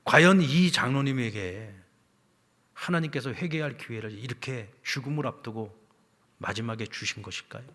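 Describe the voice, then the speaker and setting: A man preaching a sermon as pastor, telling a story and swinging between hushed whispers and loud, emphatic lines. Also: medium pitch, moderate pace. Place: church sanctuary. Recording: long church reverb.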